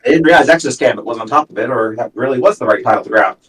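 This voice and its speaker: A man talks casually on a livestream as a guest author. His pitch is medium and his humour is dry and self-deprecating. The microphone sounds a little way off from him. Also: animated, racing, a bit bright, distant mic. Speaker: guest, science fiction author.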